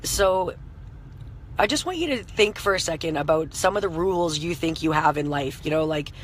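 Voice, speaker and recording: A woman in her late thirties talks through a live stream with a hoarse, scratchy voice. She is loose and conversational, filling her speech with "you know" and breaking off to greet viewers. A faint hum of noise sits behind her. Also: sits low, moderate pace. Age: 30s. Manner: chatty, full of "you know" fillers, greets viewers by name. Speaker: entrepreneur hosting a live stream. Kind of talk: motivational live-stream talk.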